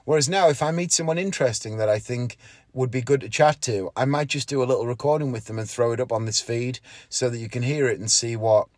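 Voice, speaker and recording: A man's voice: medium pitch, fast, dry recording. A man, talking casually and candidly on his solo podcast from inside a parked car, often correcting himself. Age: 30s. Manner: rambling, candid, self-correcting. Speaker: podcast host, magician.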